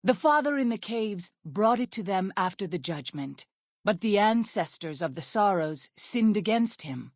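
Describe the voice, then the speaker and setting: An actress playing an earnest, devout tribal midwife and healer in a video game, speaking in formal, measured, reverent phrases. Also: female voice, medium pitch, lively intonation, dry recording, clean studio sound. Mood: warm, reflective. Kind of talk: video game character dialogue.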